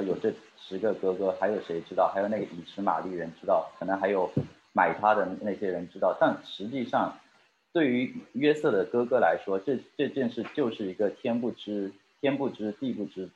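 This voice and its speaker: A man's voice: lowish voice, slight background noise. A man preaching a sermon and talking straight to his congregation, asking them questions and drawing them in. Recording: roomy, dull lo-fi recording.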